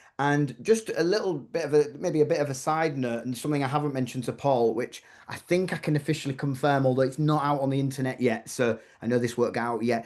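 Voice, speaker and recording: Here a man talks with an English accent. His pace is very fast. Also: fairly high pitch for a man, ordinary pitch variation. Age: 40s. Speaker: film director. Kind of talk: interview.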